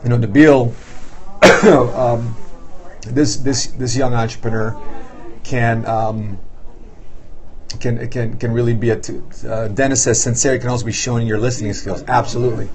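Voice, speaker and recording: A man's voice: mid-range voice, little pitch movement, normal speed, darkish tone, a little hiss or hum, low-quality recording. Upbeat man hosting a livestream. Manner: upbeat, greets viewers by name, lots of fillers. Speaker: host of a livestream. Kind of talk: casual motivational livestream chat. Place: his office.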